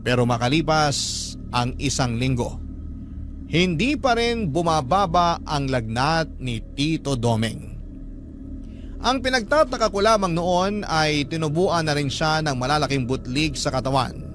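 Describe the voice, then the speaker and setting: A man's voice: fairly high pitch, lively intonation, measured pace, background noise. A man narrating a listener's story in a radio drama, earnest and polite. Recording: music bed under the voice.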